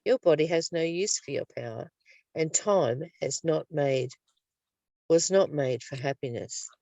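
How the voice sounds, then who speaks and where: A woman's voice: low-pitched, a little slow, creaky, warm tone, no echo. An older woman speaking reflectively in a spiritual study discussion, recorded at a distance from the microphone. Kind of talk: reading aloud and reflective discussion.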